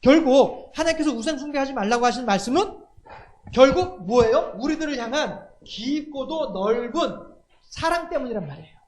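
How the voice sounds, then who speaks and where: A man's voice: very high voice, animated, normal speed. A male pastor, preaching in a conversational way, asking the congregation questions and acting out little quotes. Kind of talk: sermon.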